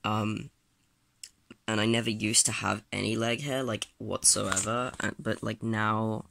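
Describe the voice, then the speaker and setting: Young trans man, gravelly candid ramble. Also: lowish voice, little pitch movement, unhurried, sharp tone, a little hiss or hum. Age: late teens. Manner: candid, rambling, many fillers and restarts. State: groggy, just woken up. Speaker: vlogger. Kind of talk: casual personal vlog ramble. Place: small bedroom, then a desk in a bedroom, indoors. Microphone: phone or webcam at arm's length.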